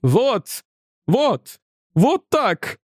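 A man doing a shrill, frantic old professor. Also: a little fast, no room sound, studio quality, close to an everyday voice. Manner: accusing, insistent, increasingly frantic. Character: agitated, shrill older male physics professor.

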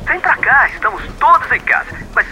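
Bright, glib young radio soap sweetheart. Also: male voice, extremely high pitch, big pitch swings, fairly quick, exaggerated voice, low-quality recording. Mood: breezy, coaxing. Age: young adult. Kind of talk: radio soap opera acting.

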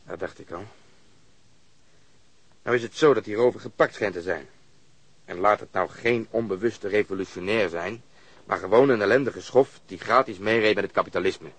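Insistent police detective, husky low voice, sardonic, radio drama. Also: male voice, normal speed, pauses often, dry recording. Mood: dry, scornful. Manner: blunt, insistent interrogating. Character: stubborn, sardonic male police detective pressing a witness.

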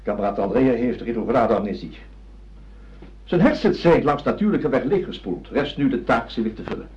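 Actor as a swooping, pompous doctor, muffled recording. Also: male voice, mid-range voice, animated, normal speed, darkish tone, close to an everyday voice. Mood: insistent, declamatory. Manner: pompous, theatrical, lecturing. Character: self-assured doctor lecturing an anxious family, officious. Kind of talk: radio drama acting. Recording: dull lo-fi radio drama recording.

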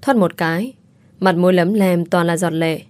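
A woman reading a first-person story aloud in a calm, reflective, steady manner. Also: lowish voice, moderate pace, no echo. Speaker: audiobook narrator.

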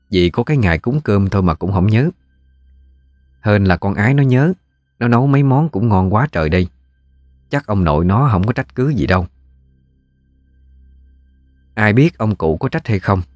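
A man with a Southern Vietnamese accent narrating a ghost story in a folksy, unhurried way. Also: on the low side, animated, a little mellow, dry recording, studio quality, soft background music.

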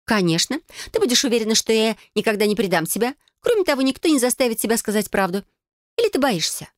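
A woman reader voicing a lively, scheming young cousin who is excitable and bossy in an audiobook. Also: on the high side, no room sound, studio quality, pitched above the performer's own voice, close to an everyday voice. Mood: earnest. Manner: excitable, bossy, quick to scold. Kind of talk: audiobook character voice.

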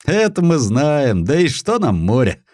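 Hardy Cossack man, acted by a male narrator, raised pitch, breezy folksy talk, audiobook character, dry sound. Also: big pitch swings, unhurried, darkish tone, no echo. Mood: breezy, undaunted. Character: hardy, carefree Cossack men setting out undaunted.

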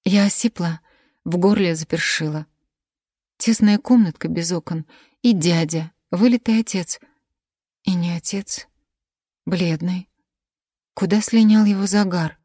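A woman narrating a first-person audiobook in a quiet, measured reading voice on a close mic. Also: fairly low pitch, dry recording.

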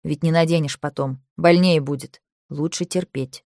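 A woman voicing a caring young woman who gives quiet, gentle advice. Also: sits low, fairly even intonation, moderate pace, dry recording, studio quality. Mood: tender. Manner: soft, quiet, advising.

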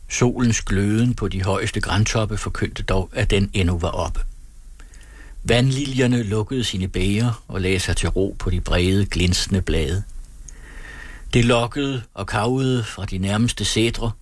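A man reading aloud from an old novel in a measured, unhurried way, with a husky voice. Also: lowish voice, dry recording.

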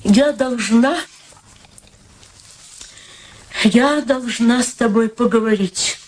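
An older woman acting in a radio play as a frail, anxious elderly mother near death, plaintive and dramatic with drawn-out pauses. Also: a little high, natural voice. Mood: weary, pleading. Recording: steady background noise.

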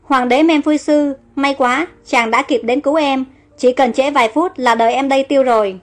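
A woman's voice: sits high, steady tone, normal speed, close to an everyday voice. A woman voicing a vain foreign queen who talks in a whiny, coquettish way. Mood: whimpering.

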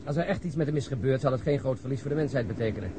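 A man's voice: mid-range voice, very fast, over loud music, lightly acted. An actor playing a sardonic male police detective in a radio drama. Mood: wry. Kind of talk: Dutch radio drama acting.

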